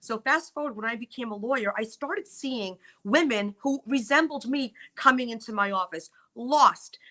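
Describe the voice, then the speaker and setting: The voice is raised and projected, with lively intonation and a bright, sharp tone. The sound is dry and close, with no echo. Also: woman. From Poland, then US from age seven. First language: Polish. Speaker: divorce lawyer. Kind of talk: TV interview.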